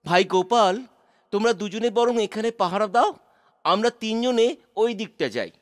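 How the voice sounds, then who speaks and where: Scheming cartoon royal minister, high voice, bossy and officious. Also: male voice, expressive, normal speed. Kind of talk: animated children's cartoon acting.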